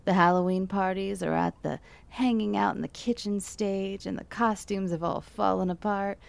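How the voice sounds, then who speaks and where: A woman's voice: medium pitch, fairly even intonation, normal speed, gravelly. An actress playing a friendly late-night radio DJ who talks in a chatty, intimate way to her listeners. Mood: warm.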